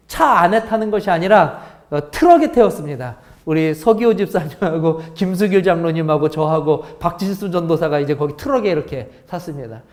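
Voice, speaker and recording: A man preaching a Bible lesson as pastor, often asking the congregation questions and acting out gentle and harsh tones of voice. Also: high voice. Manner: asks the congregation frequent questions; acts out contrasting tones of voice. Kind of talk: Bible teaching sermon.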